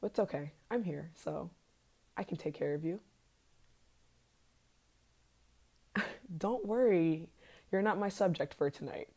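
A woman voicing an obsessive yandere scientist in an ASMR role-play, sweet and sinister, soft-spoken with hesitant pauses. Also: on the low side, gravelly, slightly rough. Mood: sweetly possessive.

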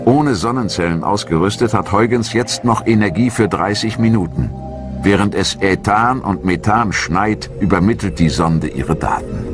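A man giving calm, measured, scripted narration for a science documentary. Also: lowish voice. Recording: studio narration over loud music.

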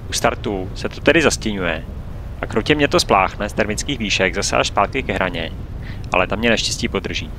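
A man calmly narrating his own flight video in a steady, matter-of-fact voice-over. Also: fairly low pitch, noisy background. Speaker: paraglider pilot and vlogger.

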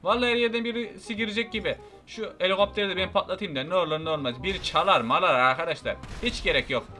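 A man hosting a gaming channel, giving excited, playful commentary straight to his viewers and shouting often. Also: high voice, fast, soft background music.

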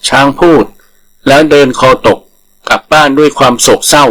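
A man's voice: mid-range voice, fairly even intonation, moderate pace, fairly bright tone, poor audio. A man reading a scripted folktale as a storyteller.

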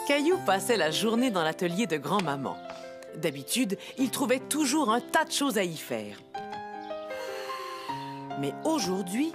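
A woman narrating a scripted children's story in an expressive, clearly phrased storyteller's manner. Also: mid-range voice. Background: music.

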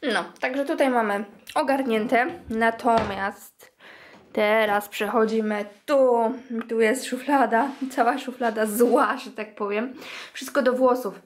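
A woman's voice: fairly high pitch, steady tone, slow pace, slight background noise. Chatty young woman in an echoey bathroom. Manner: chatty, addresses viewers as "girls". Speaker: beauty vlogger. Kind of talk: casual clean-with-me vlog narration. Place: home bathroom.

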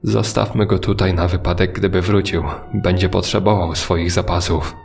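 A man's voice: low-pitched, steady tone, moderate pace, creaky, a little mellow, soft background music. A man voicing a terse, irritated park ranger in a horror story, speaking in short sentences. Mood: curt.

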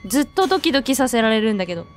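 Jittery, high-voiced woman gamer. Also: sing-song, quick pace, slight background noise. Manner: jittery, jokey, bursts into frightened shrieks. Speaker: let's play gamer. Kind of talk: horror game commentary. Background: faint game music.

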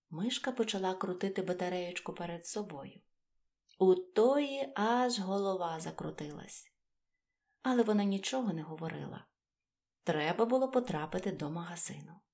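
A woman's voice: medium pitch, a little mellow. A woman storyteller reading a scripted children's fairy tale expressively, with music behind her.

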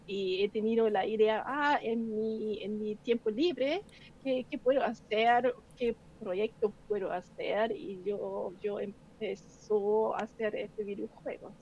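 Slow, hesitant woman on a call. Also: mid-range voice, fairly even intonation, darkish tone, a little hiss or hum. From Germany. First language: German. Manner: hesitant, searching for words, nervous. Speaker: game developer being interviewed. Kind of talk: casual interview over a video call. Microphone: video call. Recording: dull lo-fi call audio.

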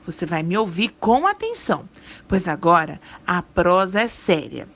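A woman's voice: on the low side, big pitch swings, moderate pace, a bit bright, exaggerated voice. A woman reading a story aloud and voicing a teasing rural husband in folksy, laughing tones. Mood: serious. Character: teasing rural husband, grown man, amused. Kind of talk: dramatic storytelling.

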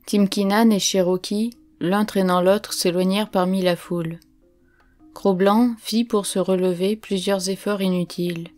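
A woman reads a novel aloud in a steady, clear storytelling manner. Her voice sits a little low. Soft music plays faintly under the narration. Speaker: audiobook narrator. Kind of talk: audiobook reading of a novel.

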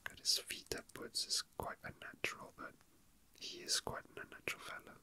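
An ASMR video host, a young man, talks in a gentle, airy whisper over a tabletop indoors. The delivery is halting and relaxed, as if he's tossing out comments while busy with his hands.

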